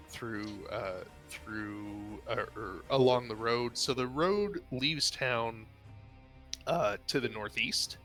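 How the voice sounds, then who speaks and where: A man running a tabletop role-playing game, his voice bright and forward. He talks in halting, rambling bursts full of fillers, with faint music playing behind him. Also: medium pitch. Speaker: dungeon master.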